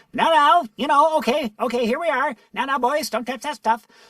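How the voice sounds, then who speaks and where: Using a put-on character voice, a man talks at an extremely high pitch. His pace stays moderate. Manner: fussy, scolding.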